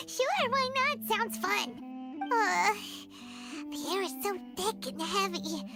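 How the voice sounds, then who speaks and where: A woman voicing a tiny, childish, excitable floating fairy companion in an anime-style video game, with a squeaky, exclamatory delivery. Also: slow pace, exaggerated voice. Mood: awkward, sarcastic. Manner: refers to herself by name, exclamatory. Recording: music behind.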